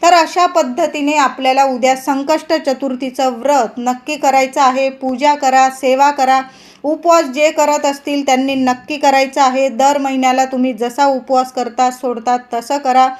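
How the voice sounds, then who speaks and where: A woman with a high voice and a Marathi accent, speaking straight to her women viewers. She explains each ritual step carefully and stresses the key points more than once, in an earnest, instructive tone. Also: steady tone, moderate pace, darkish tone. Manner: earnest, instructive, repetitive emphasis. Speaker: devotional video host. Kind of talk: devotional advice talk to women viewers.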